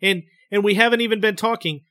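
A man voicing a frightened woman who relives a memory under hypnosis, speaking between sobs in a halting, stammering, breathless way. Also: high voice, fairly bright tone, no echo, studio quality, voice pushed up. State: sobbing.

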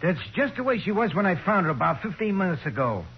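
High-pitched, husky, eager superintendent. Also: male voice, quick pace, exaggerated voice. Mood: explaining. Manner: folksy, ungrammatical, excitable. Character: eager, talkative working-class male building superintendent. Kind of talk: 1940s radio acting. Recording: muffled old radio recording.

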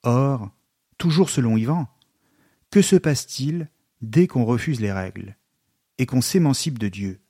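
A man giving a scripted educational narration, measured and explanatory, slowing down on key terms. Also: mid-range voice, animated, dark tone, slightly rough, dry recording, clean studio sound. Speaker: literature and philosophy lecturer.

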